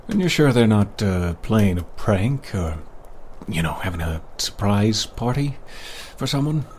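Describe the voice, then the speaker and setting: A man's voice: on the low side, very animated, measured pace, a little mellow, a little hiss or hum. A man playing an easygoing, boastful monster hunter for hire in an audio drama, with a hesitant, rambling delivery. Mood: casual, curious. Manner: hesitant, rambling, munches while talking.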